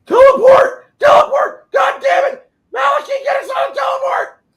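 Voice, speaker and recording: A man's voice: fairly even intonation, normal speed, creaky, a bit bright, shouting, some chatter behind, exaggerated voice. A man acting out a panicked adventurer screaming frantically for escape during a game talk. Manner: frantic high-pitched screaming.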